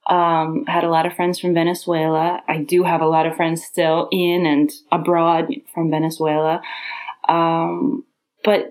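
A woman from Rhode Island in her thirties, a podcast guest recounting her life in an animated, earnest way, recorded in an apartment bedroom. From Rhode Island, United States. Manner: animated, earnest storyteller, pitch lifting on key points. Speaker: interview guest. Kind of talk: personal storytelling in conversation.

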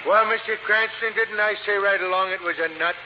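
A man's voice: high-pitched, steady tone, fairly quick, natural voice. A man playing a dim, deferential cab driver sidekick in an old radio drama. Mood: chummy. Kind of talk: 1940s radio drama acting. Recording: noisy dull old radio recording.

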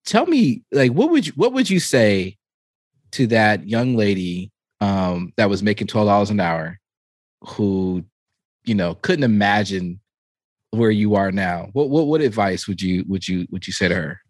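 Low-voiced encouraging male podcast host. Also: animated, measured pace, dry recording. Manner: encouraging, lots of mm and love it. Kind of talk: interviewing guests.

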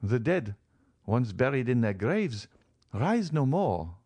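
A man reading an audiobook, voicing a formal, composed father who answers in a measured, placating way. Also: medium pitch, very animated, darkish tone, husky, no echo, pitched above the performer's own voice, heavily acted.

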